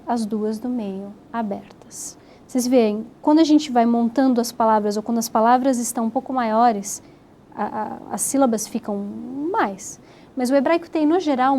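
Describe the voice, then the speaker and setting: A woman teaching a recorded Hebrew grammar lesson, explaining step by step and sounding out syllables slowly. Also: fairly high pitch, warm tone, slight background noise.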